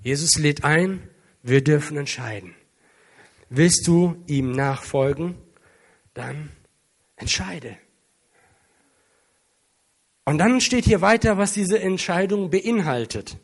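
A man preaching a sermon to a congregation, earnest and emotional, stretching key words slowly for emphasis. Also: fairly high pitch, animated. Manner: emotional, earnest, with some dramatic slow emphasis and rising intensity. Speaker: pastor. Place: church hall with an international congregation.

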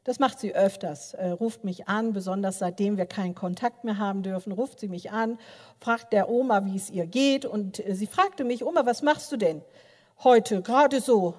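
An older woman preaches a sermon with a voice of middling pitch, weaving in personal stories. She tells them with animated energy, fills pauses with hesitant sounds and turns to her listeners often. Her voice rings out with a long reverb, as in a large church hall. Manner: animated storytelling, many filler sounds, addresses listeners directly.

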